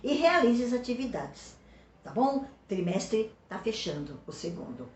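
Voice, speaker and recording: A Brazilian woman teacher with a somewhat high voice leads a recorded remote lesson, patient and encouraging. She draws example words out slowly and keeps checking in with short questions. The room around her sounds roomy and echoey. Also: big pitch swings, darkish tone. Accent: Brazilian Portuguese.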